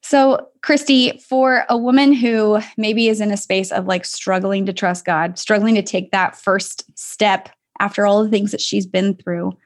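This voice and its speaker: A woman's voice: medium pitch, fairly even intonation, a little slow, hardly any pauses. Encouraging woman hosting a faith podcast. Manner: affirming, reflective, encouraging. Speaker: podcast host. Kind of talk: faith-based interview.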